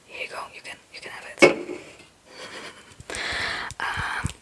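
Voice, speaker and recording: A young woman from Belgium, a non-native English speaker, whispering a casual, hesitant and meandering ASMR chat in a breathy voice. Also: takes it slowly, fairly bright tone. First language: not English. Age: young adult. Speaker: ASMR video creator.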